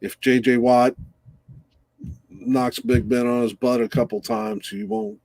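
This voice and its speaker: A man's voice: medium pitch, big pitch swings, a little slow, creaky, a little mellow, no room sound, rough recording. A man co-hosting a casual football picks show, hesitant and easygoing, often chuckling. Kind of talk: casual sports chat.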